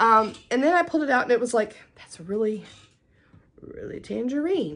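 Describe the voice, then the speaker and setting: A loud woman's voice with an American accent, high in pitch, with very wide pitch swings at a moderate pace. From US South, Memphis, Tennessee. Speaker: cross-stitch vlogger. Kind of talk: casual show-and-tell vlog. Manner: chatty, many fillers; may talk too loud.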